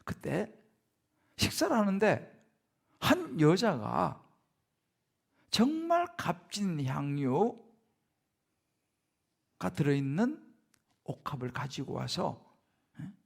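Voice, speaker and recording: A man's voice: fairly high pitch, very animated, slow, vocal fry, pauses often, husky. A middle-aged male pastor preaching a sermon in a church, speaking conversationally and often turning to the congregation with rhetorical questions. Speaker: senior pastor. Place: church sanctuary.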